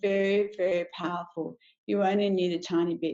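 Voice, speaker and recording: The speaker is a woman with an Australian accent. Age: 60s. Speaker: business presenter. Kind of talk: sales pitch. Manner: animated.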